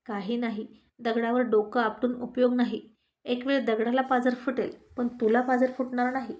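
A woman's voice: fairly high pitch, flat delivery, normal speed, darkish tone. Woman narrating a Marathi story. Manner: switches between narration and quoted dialogue. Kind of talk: narrating a story, voicing all characters.

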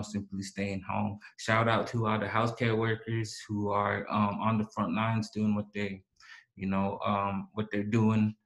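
A man's voice: lowish voice, rough recording. A man in his thirties hosting a live-streamed poetry reading from a small room, talking casually with many fillers and restarts, then reading his own poem. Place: small indoor room with banner backdrop.

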